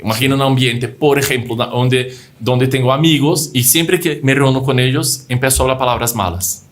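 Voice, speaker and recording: A man co-hosts a religious podcast in a language that isn't his first; his first language also isn't Spanish. His middle-pitched voice is steady and at normal speed as he explains through plain examples and acted-out quotes, often breaking off words to restart while searching for the right phrasing.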